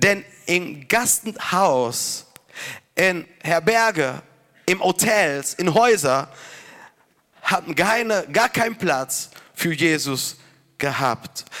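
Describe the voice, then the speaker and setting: With a slight Italian accent, a man with high pitch and a bright, sharp tone talks at a very slow pace with lively intonation, very even loudness and long, frequent pauses. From Italy. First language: Italian (speaking German). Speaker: pastor. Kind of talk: sermon. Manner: halting.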